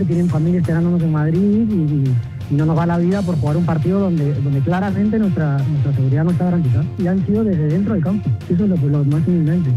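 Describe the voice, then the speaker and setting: A man from Peru speaking as a club's sports director, upset and halting, repeating words as he talks. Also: fairly high pitch, muffled recording. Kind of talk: shaken phone-in statement.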